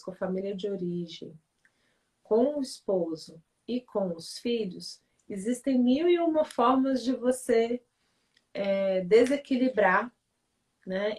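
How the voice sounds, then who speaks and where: With a mid-range, slightly mellow voice, a woman author and family-relations speaker explains family dynamics on a livestream. Her manner is reflective and instructive, and she often checks in with "né?". Her voice is somewhat distant from the microphone.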